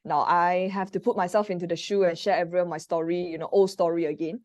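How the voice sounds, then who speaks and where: Malaysian woman hosting a Q&A, low-pitched. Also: fairly even intonation, fast talker, a little mellow, no room sound, clean studio sound. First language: Mandarin. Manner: hesitant, many "um" fillers. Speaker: moderator and practitioner. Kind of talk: live Q&A talk.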